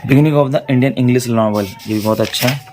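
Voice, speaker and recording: A man's voice: medium pitch, a little slow, over music. A man giving a casual exam-tips lesson as a tutor, chatty and reassuring, often repeating "okay" as he moves on. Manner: chatty, reassuring, repeats "theek hai" while flipping pages.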